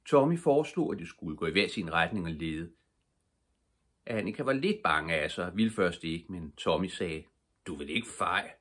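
An older man reading a children's book aloud as a calm, steady bedtime story. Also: low voice. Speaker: storybook reader.

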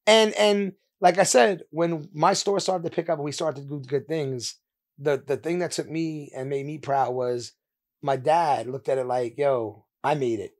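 A man in his thirties from India, a podcast guest telling his story in a candid, animated way with quick laughs, speaking into a studio mic. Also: on the high side. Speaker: podcast guest, sneaker store owner. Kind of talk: casual interview chat. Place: sneaker-lined studio, indoors. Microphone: mounted podcast mic with headphones.

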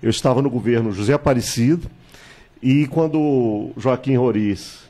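A man, a candidate recounting his life in a studio interview, measured and reminiscing, with hesitations and tag questions, on a handheld mic. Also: medium pitch, warm tone. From Salvador, Bahia, Brazil. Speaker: political candidate, guest. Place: small TV studio with virtual set.

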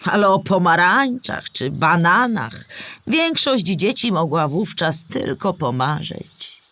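A woman playing a patient storyteller who explains history to children in a scripted audio play, with clear, measured delivery. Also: lowish voice, very animated, pushed and bright, heavily acted. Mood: explanatory, patient.

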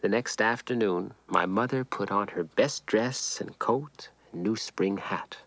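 A man narrating a cartoon as a grown man recalling his boyhood, with a gravelly voice. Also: on the low side, measured pace, a bit bright, no echo, full character voice. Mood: reflective. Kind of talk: scripted first-person storytelling narration.

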